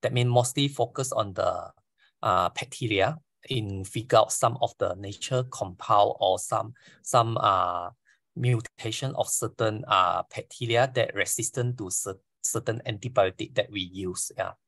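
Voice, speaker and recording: Malaysian male lecturer, forties, low voice, halting delivery, dry close video-call sound. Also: vocal fry, fairly bright tone, dry recording. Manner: halting, repeats words, non-native grammar. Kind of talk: briefing over a video call.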